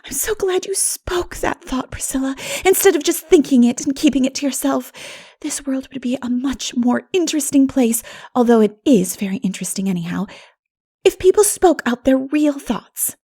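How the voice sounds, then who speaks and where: A storybook heroine, voiced by a woman narrator, young, dreamy and full of delight. Her high voice swings up eagerly as she gushes in flowery, earnest phrases. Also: lively intonation, normal speed, warm tone, husky, full character voice. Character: Anne, exuberant, dreamy, poetical schoolgirl-spirited young woman. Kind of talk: audiobook character voice.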